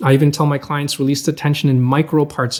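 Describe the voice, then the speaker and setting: This man's voice sits fairly high for a man and is somewhat breathy, with fairly even intonation. The recording is very clean, with a silent background. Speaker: breathwork and meditation coach. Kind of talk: podcast interview.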